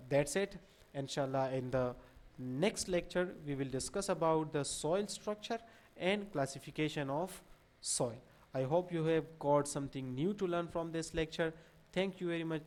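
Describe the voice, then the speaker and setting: Male lecturer, 30s, South Asian accent, somewhat higher-pitched, explaining step by step with halting, repetitive phrasing. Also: a little mellow. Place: small indoor room at a desk.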